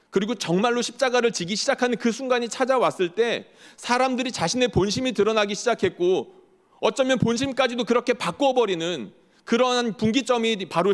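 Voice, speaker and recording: A fairly high-voiced man preaches a Sunday sermon from the pulpit, pressing his point with rhetorical questions. His voice rings out with a long reverberant tail in a church sanctuary. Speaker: pastor.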